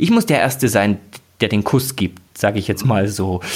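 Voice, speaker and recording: Lively intonation and a fairly quick pace from a man. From eastern Germany, Leipzig. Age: 40s. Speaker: actor and performance coach. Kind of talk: casual chat. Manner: halting.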